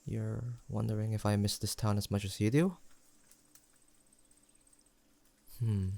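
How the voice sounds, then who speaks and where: A young man acting an affectionate, teasing best friend in an intimate audio roleplay, chatting in a gentle, playful and sincere way. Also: on the low side, steady tone, fairly quick, creaky, no room sound. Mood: wistful, hesitant. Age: young adult.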